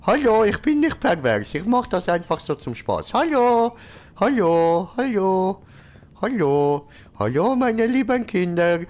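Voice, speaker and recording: A man's voice: big pitch swings, measured pace, a little mellow. Man putting on a creepy sing-song underwear guy. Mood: teasing. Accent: Swiss German. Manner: high, sing-song calling. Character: creepy grown man in underwear greeting neighbours.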